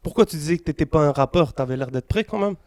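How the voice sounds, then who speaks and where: A man interviewing a young rapper, asking easygoing, halting questions. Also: fairly high pitch, a little mellow, no echo, studio quality. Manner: easygoing, hesitant questions with fillers.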